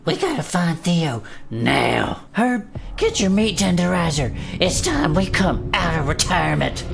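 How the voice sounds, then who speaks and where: A man's voice: high voice, very animated, unhurried, creaky, over music, exaggerated voice. A man voicing a blunt, folksy small-town man. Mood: tense. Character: rough-talking small-town man, gruff and impatient. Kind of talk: audio drama acting.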